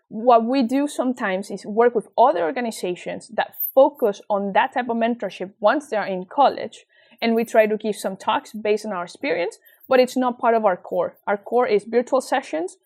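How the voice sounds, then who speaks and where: A young woman from Venezuela with a Venezuelan Spanish accent, talking as an interview guest with earnest, animated storytelling. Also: on the high side. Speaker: guest, nonprofit founder. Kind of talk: casual interview chat.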